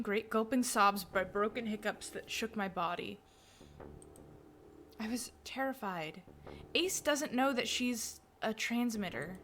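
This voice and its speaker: A young woman streamer reading a game's narration aloud with expression and breaking off for quick casual comments. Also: mid-range voice, a bit bright, slight background noise. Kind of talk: let's play, reading game narration aloud.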